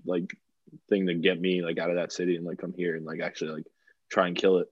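A young man from Bulgaria talks through a podcast interview in a loose, rambling way, stacking fillers and restarting his sentences. His voice sits very low. The sound is dry and a little dull, like a lo-fi recording. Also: flat delivery, quick pace, husky, no room sound. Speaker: podcast guest, DJ. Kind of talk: casual interview chat.

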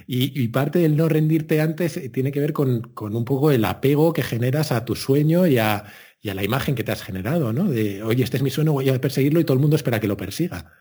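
A man hosting a podcast interview, asking reflective questions in a relaxed, chatty way. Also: mid-range voice, brisk, breathy edge. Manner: reflective, thoughtful questions, laughs along. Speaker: podcast host. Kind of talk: casual interview chat.

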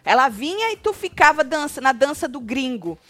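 A woman's voice: sits high, moderate pace. A woman hosting a casual chat about a reality show, retelling scenes and acting out what people said. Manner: animated retelling, acting out quoted lines.

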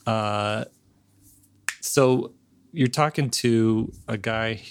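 A man's voice: on the low side, very slow, clear, resonant tone, no room sound. Easygoing man in his forties, dry mic. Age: 40s. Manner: easygoing, laughs along. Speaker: podcast host. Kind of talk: reading listener questions, casual chat.

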